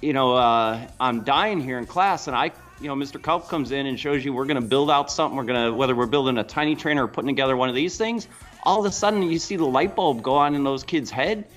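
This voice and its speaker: A man's voice: medium pitch, animated, fast, fairly bright tone, faint music behind. A man in his forties, a guest who teaches kids drones, talking emphatically with many fillers. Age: 40s. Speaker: guest, youth drone instructor. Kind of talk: casual chat.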